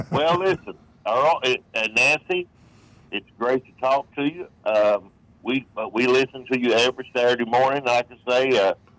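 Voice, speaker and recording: The sound is dry and close with no echo as a man talks in a Southern US accent. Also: medium pitch for a man, ordinary pitch variation, moderate pace. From US South. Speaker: caller. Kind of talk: phone call. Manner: halting.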